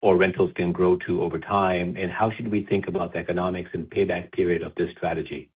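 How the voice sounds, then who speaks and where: A man's voice: low voice, flat delivery, a little fast, slightly rough. A man speaking as a financial analyst, putting a question on a conference call. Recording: tinny narrow phone-line sound.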